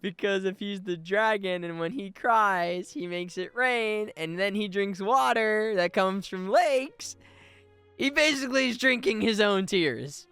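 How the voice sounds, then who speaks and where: A man's voice: high voice, a little slow, fairly bright tone, smooth, dry recording. A man giving casual, playful livestream reactions to a game, slangy and exclaiming, with game music behind him. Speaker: voice actor streaming a game.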